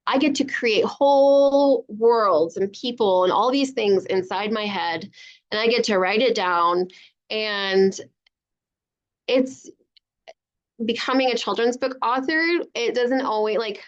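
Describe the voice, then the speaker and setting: A woman's voice: a little high, dull audio. A woman, a children's book author, answering young children's questions in an encouraging, simple way on a live online event.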